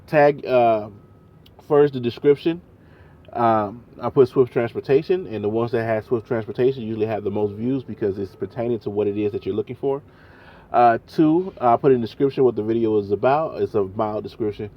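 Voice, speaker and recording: A man's voice: medium pitch, fairly quick, dull audio. A man with a chest cold, coughing now and then, talking loosely and casually in a vlog. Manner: loose, chatty, slangy. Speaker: vlogger; truck driver.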